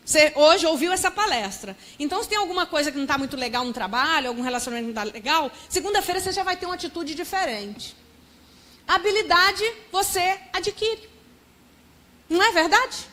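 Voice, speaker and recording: A woman's voice: high voice, fairly bright tone. A woman pastor giving a lecture-style sermon in a church, speaking conversationally and often checking in with her listeners.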